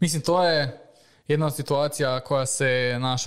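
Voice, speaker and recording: A normal speaking voice from a man, medium in pitch, moderate in pace, with fairly even intonation. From Croatia, Požega (Slavonia). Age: 20s. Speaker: esports content intern and student. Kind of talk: casual chat.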